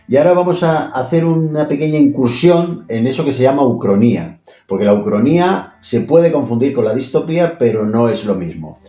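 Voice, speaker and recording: A man's voice: medium pitch, expressive, brisk, warm tone, reverberant. A man hosting a casual chat about books, asking questions and thinking aloud. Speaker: host.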